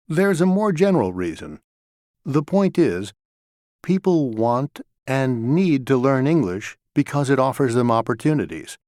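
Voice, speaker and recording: A man acting as a lecturer, giving a scripted class talk in a clear, measured way, recorded in a studio. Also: medium pitch, a little mellow, no echo, natural voice. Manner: measured, clear explanatory delivery. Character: male lecturer talking to a class.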